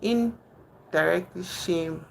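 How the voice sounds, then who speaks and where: A young woman with a Nigerian accent talks casually on a home live stream, her voice low and gravelly. She thinks aloud, full of fillers and restarts, with a faint hiss underneath. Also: drawn-out words. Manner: chatty, thinks aloud with many fillers and restarts, reads viewers' comments. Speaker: livestream host.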